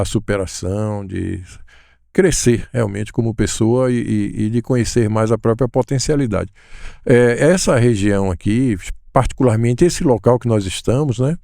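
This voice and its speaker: A man, a guest recalling his life in a thoughtful, hesitant way with many pauses and fillers. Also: mid-range voice, warm tone, no echo, studio quality. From Salvador, Bahia, Brazil. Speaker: guest, educator. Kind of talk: relaxed interview conversation.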